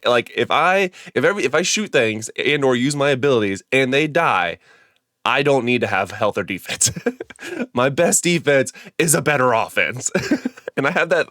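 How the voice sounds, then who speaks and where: A lower-voiced man with a stuffy, nasal sound from a head cold talks through a game guide in a loose, rambling way, full of ums and restarts. The close mic gives a dry, dead sound. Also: fairly bright tone, no room sound. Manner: chatty and rambling, many fillers and self-corrections. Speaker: gaming video creator. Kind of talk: casual game guide commentary.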